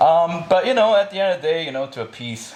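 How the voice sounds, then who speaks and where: With a Cantonese accent, a man speaks at a fairly quick pace with very wide pitch swings amid noticeable background noise. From Malaysia, partly Singapore. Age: 30s. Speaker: adult film actor. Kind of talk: podcast interview. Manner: hesitant, many fillers.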